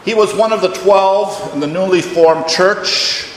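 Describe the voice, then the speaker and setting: A man's voice: sits high, unhurried. Older male pastor in an echoey church. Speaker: retired pastor. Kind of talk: prayer and sermon reading. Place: church, during a service. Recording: echoey hall, long reverb, faint noise.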